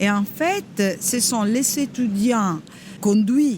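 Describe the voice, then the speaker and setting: In an Italian accent, a woman speaks at a very slow pace. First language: Italian (speaking French). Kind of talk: interview monologue. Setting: trade fair. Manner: hesitant, many fillers.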